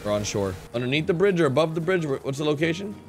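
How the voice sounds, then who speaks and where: A young American man giving animated, joking game commentary and roleplay as a police officer, close on a headset mic. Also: fairly high pitch, quick pace, faint music behind. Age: young adult. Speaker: gaming streamer role-playing a police officer. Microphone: headset microphone, close.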